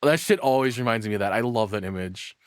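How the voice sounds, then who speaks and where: A man's voice: mid-range voice, quick pace, clear, resonant tone, no room sound, studio quality. A man in his thirties giving a casual, rambling, off-the-cuff reaction with some swearing. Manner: rambling, profane. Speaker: reaction streamer.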